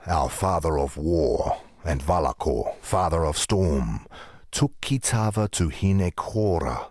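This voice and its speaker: An actor playing a solemn tribal storyteller in a video game, recounting myths of gods in a grave, deliberate, gravelly voice. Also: male voice, low-pitched, darkish tone, no room sound, studio quality, full character voice. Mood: grave, ominous. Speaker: lore narrator. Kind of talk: slow mythic storytelling.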